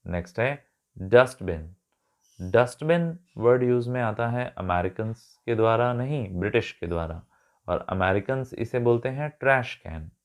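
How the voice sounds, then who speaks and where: A man gives an English vocabulary lesson in a slow, unhurried way, spelling words out letter by letter. His voice sits fairly low, and he mixes English terms into his explanations as he goes, sometimes correcting himself mid-sentence. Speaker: English teacher.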